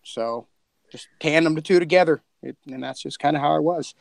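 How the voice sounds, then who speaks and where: A man who co-created a podcast, chatting casually in an informal, somewhat halting way. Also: fairly high pitch, vocal fry, no echo. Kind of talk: casual chat.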